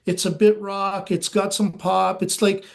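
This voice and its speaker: A man's voice: high voice, flat delivery, a little slow, gravelly. A man with a nasal voice, talking casually and eagerly as a musician guest in an interview. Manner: rambling, eager, many fillers.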